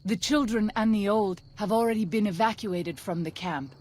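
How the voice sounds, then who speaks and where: A woman playing a solemn tribal midwife and scout in a video game, speaking formally and with measured, archaic phrasing. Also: mid-range voice, a little mellow, lightly acted. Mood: calm, wry.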